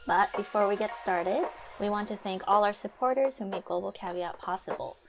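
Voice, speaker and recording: A woman co-hosts a podcast in a chatty, upbeat manner. Her voice sits at a middle pitch, and clear music plays behind her as she introduces the show. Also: a little fast. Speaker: podcast co-host, health scientist. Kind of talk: podcast hosting.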